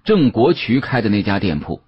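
Husky, low-voiced male audiobook narrator. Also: very animated, normal speed, dry recording. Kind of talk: dramatic first-person novel narration. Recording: muffled, dull lo-fi audio.

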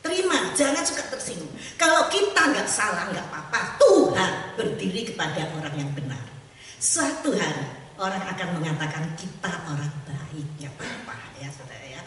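A woman evangelist preaching a sermon in a church, lively and warm with laughter, acting out the voices she quotes. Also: lowish voice, fairly quick. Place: church sanctuary. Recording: echoey church hall, mic at a distance.

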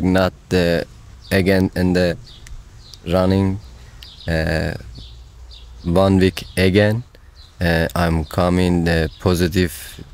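A man gives a casual interview. As a Persian speaker, he speaks haltingly, in short and simple broken phrases. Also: low-pitched. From Afghanistan. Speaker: podcast subject telling his story.

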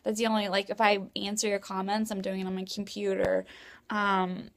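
A young woman talking excitedly and quickly to a handheld camera from her bedroom in a casual vlog. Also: mid-range voice, creaky. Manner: fast, excited, shaky chatter. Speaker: vlogger.

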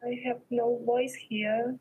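Slow, even-toned young woman, Chinese accent. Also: on the high side, husky, low-quality recording. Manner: halting, hesitant delivery. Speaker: research presenter. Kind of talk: academic presentation over video call. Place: indoors, on a video call.

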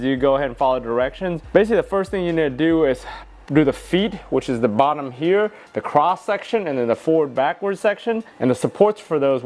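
Relaxed man explaining a garage project. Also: on the high side. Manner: relaxed, practical, explains step by step. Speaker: DIY garage tool reviewer. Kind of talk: casual how-to narration. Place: home garage.

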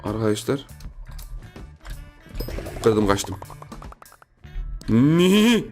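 A man hosting a gaming channel, giving lively gameplay commentary, repeating himself and yelping in surprise while chatting to his viewers. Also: lowish voice, drawn-out words, faint music behind. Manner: excitable, repeats phrases, shouts in surprise; chatty, addresses viewers as friends.

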